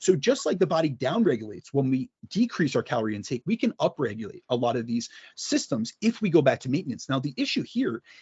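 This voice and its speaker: Very fast and somewhat breathy, a man talks at a fairly high pitch with very wide pitch swings. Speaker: fitness coach and former bodybuilder. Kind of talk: podcast interview. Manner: lively.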